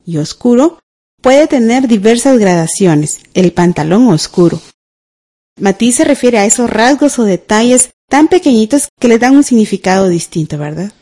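A woman, co-teaching a radio school language lesson, explaining calmly, slowly and clearly. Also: a little high.

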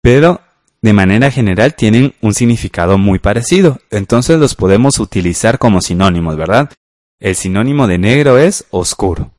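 A man leads a radio language class, patient and unhurried, often checking that listeners follow. His voice sits fairly low. The sound is dry and close. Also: lively intonation, a little mellow, no room sound. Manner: patient, slow, asks "¿verdad?" often. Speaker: radio teacher. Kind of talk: radio school lesson.

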